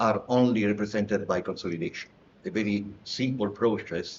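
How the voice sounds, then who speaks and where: A man talks in an Italian accent. His pitch is fairly low. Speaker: geology professor. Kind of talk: lecture. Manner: halting, many fillers.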